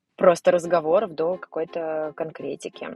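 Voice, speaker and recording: A woman talks at a fairly low pitch with a dark, mellow tone. The sound is dry and close, with no echo. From Russia, Orsk (Orenburg region). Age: young. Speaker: novelist. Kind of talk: casual chat.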